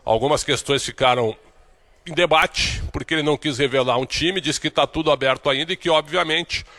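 A man giving a recorded sports report from abroad in a brisk, fluent reporting tone. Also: on the high side, sharp tone.

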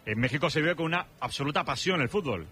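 A man from hosting a radio show, chatting and teasing his guests with quick jokes. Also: fairly high pitch, expressive, pushed and bright, a little hiss or hum. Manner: jokey, teasing, fast-talking. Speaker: radio host. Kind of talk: lively radio chat.

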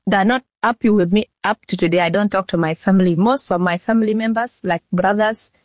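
Halting young woman. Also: mid-range voice, steady tone, no echo. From South Sudan. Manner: halting, repeats herself and restarts sentences. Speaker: model being interviewed. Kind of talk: interview answers.

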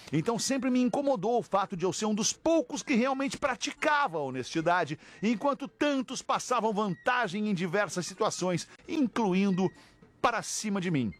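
Jokey radio host, man, high voice, reads emails aloud. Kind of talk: casual banter on a radio show.

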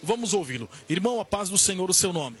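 A man's voice: high voice, very animated, fast. A man reporting live for church radio from a temple entrance, fervent and proclaiming. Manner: fervent, proclaiming, sometimes sing-song. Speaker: church elder, field reporter.

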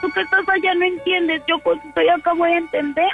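A high-pitched, tearful woman pleads with her son over a tinny phone line. She is anxious and keeps repeating herself, and faint music runs behind her. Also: fairly even intonation, quick pace, vocal fry. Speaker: mother on a phone call.

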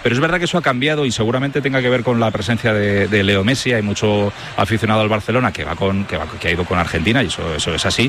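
A man with a lowish voice gives football analysis on sports radio. He talks fast and lays out long arguments, often restarting phrases mid-thought. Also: fairly bright tone, a little hiss or hum.

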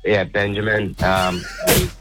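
A man in his twenties calling into a radio show, hesitant and halting. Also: lowish voice, level tone, over music. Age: 20s. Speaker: caller.

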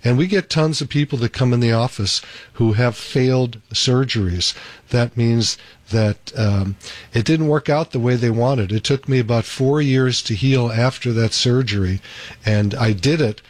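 Male radio host, doctor, relaxed chatty delivery, dry close studio mic. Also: mid-range voice, measured pace, dry recording. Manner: easygoing, chatty, with fillers. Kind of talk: live radio talk show. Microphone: studio microphone.

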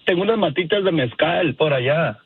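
A hoarse, husky man from Jalisco chatting on a muffled phone line, easygoing and quick to laugh. His voice sits a little high and sounds dry and close to the mouthpiece. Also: animated, no room sound. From Jalisco, Mexico. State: a bit hoarse. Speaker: radio caller.

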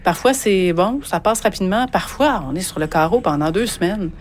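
Lively woman in her forties on radio. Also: on the low side, normal speed, a little hiss or hum. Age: 40s. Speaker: radio co-host and weather presenter. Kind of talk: radio chat and weather report.

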